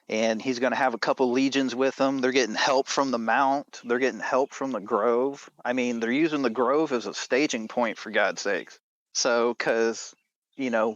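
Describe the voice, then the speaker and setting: A man's voice: medium pitch, fairly bright tone, no echo, lo-fi sound. A man chatting informally about a story, often tossing in rhetorical questions to check the listener follows. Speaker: podcast co-host and show creator. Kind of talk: casual chat about a story's themes.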